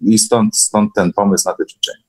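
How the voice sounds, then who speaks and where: A man's voice: lowish voice, fairly even intonation, moderate pace, darkish tone. A man speaking as a guest in a casual online interview, explaining things conversationally. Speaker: guest recounting course experiences. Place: online call.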